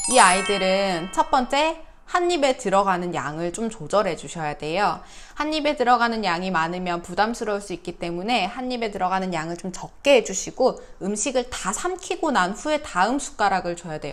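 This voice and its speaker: Pitched mid-range, a woman speaks while her pitch leaps over a very wide range. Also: moderate pace. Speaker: parenting coach. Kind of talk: tutorial.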